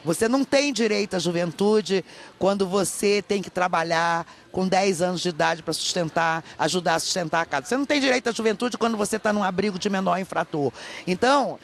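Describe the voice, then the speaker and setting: A middle-aged Brazilian woman, an academic guest giving emphatic, explanatory interview answers in Portuguese with rhetorical check-ins. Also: mid-range voice. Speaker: academic guest, professor and author. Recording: clear ambient background noise.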